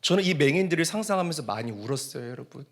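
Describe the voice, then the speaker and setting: A man preaching a sermon to his congregation. He asks them questions directly and swings from soft asides to shouted, impassioned peaks. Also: a little high, expressive, racing. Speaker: pastor.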